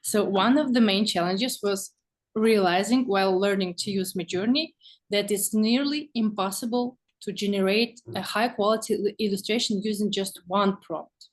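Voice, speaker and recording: A woman's voice: mid-range voice, normal speed. A woman who is not a native English speaker, chatting casually as an interview guest about her work as a visual artist, often searching for words.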